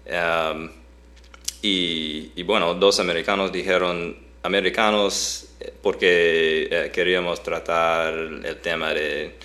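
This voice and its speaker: Low, slow, hesitant man. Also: fairly even intonation, sharp tone. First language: English. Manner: hesitant, halting, many restarts and fillers. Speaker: podcast co-host. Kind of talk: casual chat. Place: Boston.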